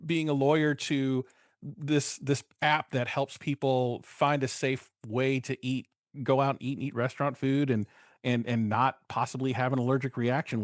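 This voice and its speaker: A man's voice: mid-range voice, no room sound. Male podcast host, casual and hesitant, dry close-mic sound. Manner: loose, halting, lots of restarts. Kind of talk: podcast interview hosting.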